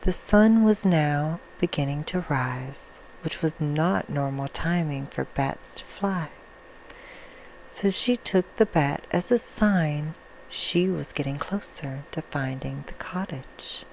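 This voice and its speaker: A woman playing a vampire who reads a bedtime story in a hushed, soothing ASMR roleplay style. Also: sits low, takes it slowly, a little hiss or hum, poor audio. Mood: soft, storytelling. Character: female vampire reading a soft bedtime story.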